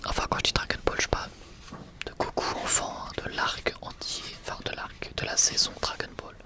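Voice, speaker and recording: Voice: brisk, sharp tone. An ASMR creator whispering breathily and close to the mic in a casual, rambling, enthusiastic way, often correcting themselves.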